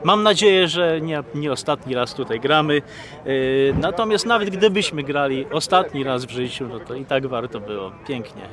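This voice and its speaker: A man's voice: mid-range voice, moderate pace. Bearded man chatting outdoors by a lake. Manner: relaxed, chatty, hesitant fillers. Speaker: band member interviewed. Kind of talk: casual outdoor interview. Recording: crowd noise behind.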